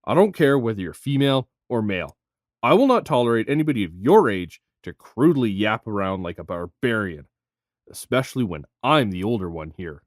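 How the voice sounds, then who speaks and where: A man's voice: fairly low pitch, very animated, fairly quick, no room sound, studio quality. A man playing a tired older taxi driver in a fan audio drama, stern but polite, with a reproving, formal way of talking.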